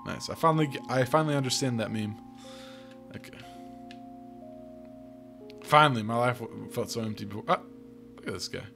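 A man with a bright, forward voice hosts a casual gaming video, muttering wry asides to himself. His pitch sits in a middle range, and game music plays behind him. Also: moderate pace, vocal fry, long pauses. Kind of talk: casual let's play commentary.

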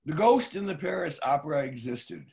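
An older man playing a grave, wistful storyteller, measured and slightly halting, in a staged reading over a video call. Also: on the high side, animated, creaky, a little mellow. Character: grave, wistful male storyteller recounting mystery. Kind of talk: dramatic narration in staged reading. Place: book-lined home room, video call.

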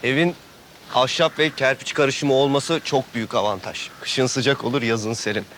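Actor as a gentle, rambling young architect. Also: male voice, medium pitch, steady tone, moderate pace, slight background noise, natural voice. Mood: enthusiastic. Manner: soft-spoken, rambles with enthusiasm, self-conscious. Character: gentle young male architect-turned-rose-grower, talkative. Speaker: actor in a TV drama. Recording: loud music under the voice. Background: loud guitar music.

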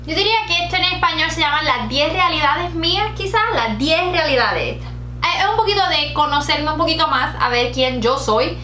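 Puerto rican girl late 20s chatting at her desk, high sharp voice, roomy echo, faint hum behind. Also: normal speed. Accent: Puerto Rican Spanish. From Puerto Rico. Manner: chatty, giggly, mixes in English words. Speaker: beauty vlogger. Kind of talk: casual chat to camera. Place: bright home room with shelves. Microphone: camera at desk distance.

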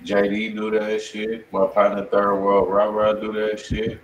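A man's voice: on the low side, completely flat delivery, a little slow. A man hosting a music review stream in casual chat, slangy and profane. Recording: roomy, distant mic, faint noise.

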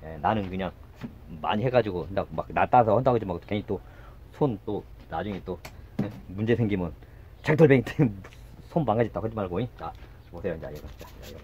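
A man's voice: on the low side, animated, a little fast, dark tone, muffled recording, a little hiss or hum. A middle-aged man demonstrating garden work outdoors in a casual way, talking while he works, repeating short words and muttering asides. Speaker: gardening channel host. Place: outdoors by a house.

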